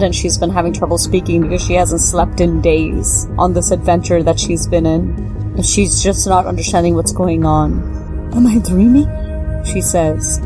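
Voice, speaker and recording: A woman's voice: lowish voice, poor audio. A woman playing a tabletop game, casually talking through and narrating what her character does. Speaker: player. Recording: music behind the voice.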